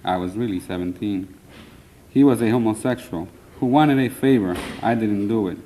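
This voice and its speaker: A man from Puerto Rico in his thirties reads his poems aloud at a conference. His voice sits on the low side and sounds mellow. He reads in an earnest, measured way with short pauses, a little nervous. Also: slight background noise, rough recording. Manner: earnest, plain, measured delivery with short line breaks. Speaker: poet reading his work. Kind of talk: live poetry reading. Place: conference hall.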